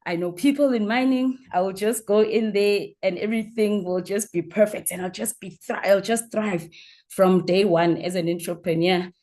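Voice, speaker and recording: A woman with a South African accent introducing herself as a guest speaker in an informal online talk, phrasing things haltingly with repeated words. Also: medium pitch, dark tone. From Mpumalanga, South Africa. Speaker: guest speaker, mining entrepreneur. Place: online video call.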